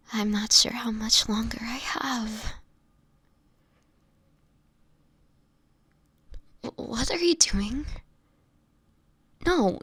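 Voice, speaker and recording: A woman playing a sickly, gentle, anguished vampire in an intimate audio roleplay, speaking in a breathy, often whispered voice with tender, halting, formal phrasing. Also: on the high side, no room sound, full character voice. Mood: weak, faltering. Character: sickly homeless young female vampire, gentle, anguished, self-sacrificing.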